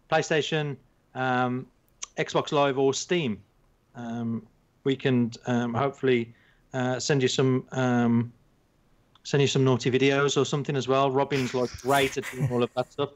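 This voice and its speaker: A man with a Black Country accent hosts a casual podcast in a rambling, jokey, self-mocking way. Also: mid-range voice. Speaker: podcast host. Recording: slightly dull, lo-fi sound.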